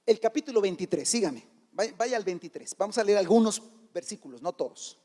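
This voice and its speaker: A man's voice: high voice, expressive, brisk, dark tone. A man preaching a sermon, retelling a Bible story colloquially and acting out the characters' lines. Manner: colloquial Mexican slang, addressing listeners as brother. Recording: reverberant church hall.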